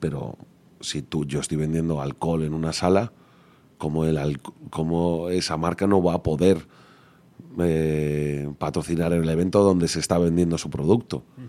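A man's very deep, low voice carries a dark, mellow tone and fairly even intonation. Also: moderate pace, very clean recording, silent background. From Spain, Leganés (Madrid). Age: 30s. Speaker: music promoter. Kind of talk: casual interview.

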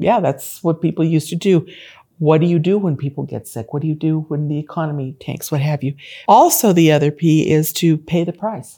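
A woman's very deep, low pitch and dark, mellow tone in a very clean recording with a silent background. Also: ordinary pitch variation. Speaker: clinical psychologist and author. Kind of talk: interview.

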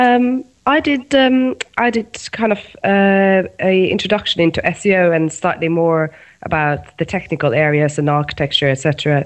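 A woman speaks at a medium pitch and a fairly slow pace. Her pitch swings very widely while her loudness stays very even. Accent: Norwegian. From Norway. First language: Norwegian. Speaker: search agency owner. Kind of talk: casual chat.

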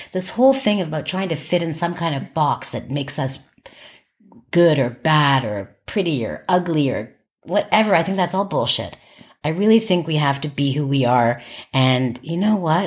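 In a very clean recording with a silent background, a woman speaks with a very deep, low pitch. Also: lively intonation, moderate pace. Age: 50s. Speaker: host's mother. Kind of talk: casual chat. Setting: indoor recording at a rented apartment.

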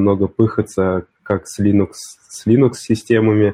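A man speaks at a fairly slow pace in a fairly low pitch. His intonation stays monotone and flat. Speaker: mobile developer. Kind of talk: casual chat.

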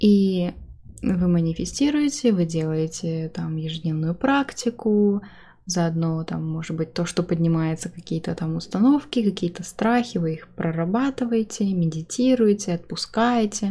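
Somewhat breathy and dark, mellow in tone, the voice moves at a fairly slow pace with lively intonation. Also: woman, fairly low pitch for a woman. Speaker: life coach and podcast host. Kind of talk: casual solo podcast monologue.

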